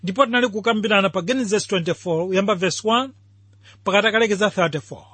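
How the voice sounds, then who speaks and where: A man gives a didactic radio sermon. His voice is high for a man and husky, with a forceful edge. He explains scripture and puts questions to his listeners. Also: fast, dry recording. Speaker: radio Bible teacher. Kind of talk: radio sermon, Bible exposition.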